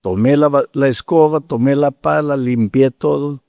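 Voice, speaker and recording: A man's voice: mid-range voice, steady tone, moderate pace, gravelly, warm tone, no room sound. A man in his eighties preaching a sermon as pastor, telling a story with acted-out dialogue and building to fervent exhortation. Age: 80s.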